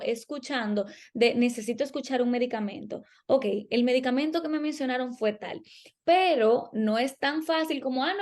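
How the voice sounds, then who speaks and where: A woman co-hosting a podcast, explaining exam strategy and speaking directly to listeners with worked examples. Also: sits high. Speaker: podcast co-host.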